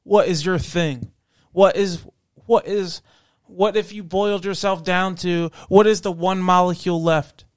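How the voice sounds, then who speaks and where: A man with a smooth, slightly high voice chats on a podcast. He talks earnestly and repeats himself while coaxing his friends. The sound is dry and close. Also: fairly even intonation, unhurried, dry recording. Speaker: podcast co-host. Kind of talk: casual podcast banter.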